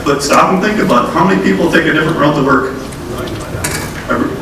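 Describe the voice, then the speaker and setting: A man's voice: on the high side, quick pace. Folksy man speaking in an echoey hall. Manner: folksy, direct, addresses audience as folks. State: has a cold, losing his voice. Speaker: state transportation official. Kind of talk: conference presentation. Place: conference room. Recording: echoey hall, distant mic, noisy.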